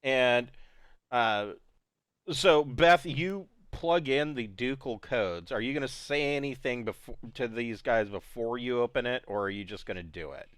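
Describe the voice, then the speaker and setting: A man's voice: medium pitch, measured pace, a bit bright, clear, resonant tone, no echo. A man running a tabletop role-playing game as game master, narrating scenes and laughing often. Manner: laughs often, voices characters briefly.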